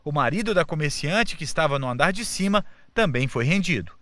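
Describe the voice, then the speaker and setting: Male reporter, Brazilian accent, news voice-over, high voice, measured reading. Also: animated, fairly bright tone, no echo. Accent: Brazilian Portuguese.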